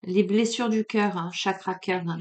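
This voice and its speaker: A woman with a faint southern French accent, from Marseille, doing a casual oracle card reading, hesitant and drowsy, with many pauses and fillers. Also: mid-range voice, steady tone, darkish tone. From Marseille, France. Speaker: card reader.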